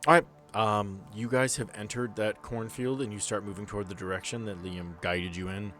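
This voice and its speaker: A man's voice: on the low side, fairly even intonation, moderate pace, fairly bright tone, soft background music. A man narrating a tabletop roleplaying game as game master, with joking asides.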